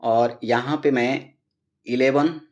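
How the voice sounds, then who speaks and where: Brief: young man, easygoing tech-tutorial host, steady mid-pitched voice, talks through steps casually. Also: takes it slowly, muffled recording. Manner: conversational, explains step by step with fillers. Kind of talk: casual screen-recorded phone tutorial.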